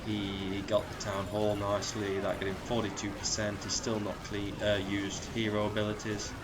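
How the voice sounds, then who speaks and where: A man with a cold, sounding croaky and sniffly, casually commentating strategy game replays and calling out percentages. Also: lowish voice, normal speed, heavy background noise. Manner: relaxed, chatty, calls out percentages. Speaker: clan leader commentating war replays.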